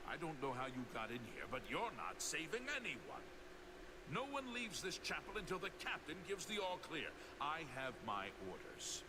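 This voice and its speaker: Lively, stubborn guard in a besieged city. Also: male voice, fairly high pitch, moderate pace. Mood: stern, stubborn. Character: anxious besieged guards and survivors of fantasy city. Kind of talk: video game dialogue acting. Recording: very noisy game stream capture.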